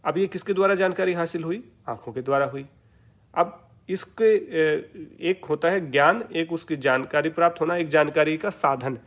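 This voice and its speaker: A man's voice: on the high side, moderate pace, fairly bright tone. A man with an Indian accent giving a yoga lecture, explaining terms step by step and answering his own questions. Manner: asks questions and answers them himself, repeats key terms.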